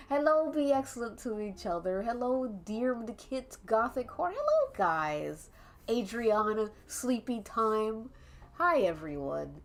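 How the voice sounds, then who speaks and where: This young woman is an art streamer with a congested, stuffy nose, chatting casually and rambling to her chat while she draws, laughing often. Her voice is fairly high and slow. Faint, calming jazz plays in the background.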